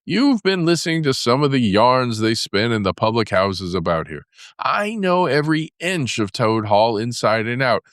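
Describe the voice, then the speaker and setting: A man voicing a boastful, excitable male toad in a storybook reading. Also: medium pitch, normal speed, no room sound, clean studio sound, voice pushed up. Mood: airy.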